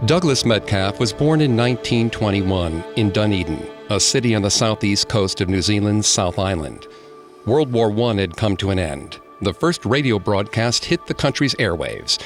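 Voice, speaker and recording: Low, grave male true-crime narrator. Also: animated, faint music behind. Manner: measured, grave delivery. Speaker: podcast co-host.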